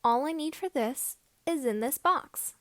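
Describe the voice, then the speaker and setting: A woman's voice: high voice, animated, unhurried, no room sound, pitched above the performer's own voice. A woman voicing a confident, scrappy teenage boy mechanic explaining things informally in a storybook reading. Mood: explaining, earnest. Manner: informal, explanatory video-blogger talk.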